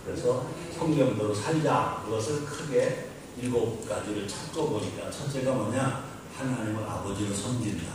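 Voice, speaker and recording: An older man, a pastor, giving an animated welcome speech to his congregation and counting off his points with rising emphasis. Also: fairly low pitch, moderate pace. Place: large church hall with seated congregation. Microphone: podium mic, recorded from the audience by a far camera. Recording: distant, very echoey hall with audience noise.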